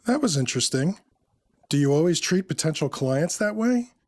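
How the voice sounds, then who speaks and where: A sassy, polished professional woman, as a male narrator puts her on in an urban fantasy audio story. She speaks briskly in a raised pitch, with a wry, teasing edge. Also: sing-song, darkish tone. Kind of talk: acted dialogue in an audio fiction story.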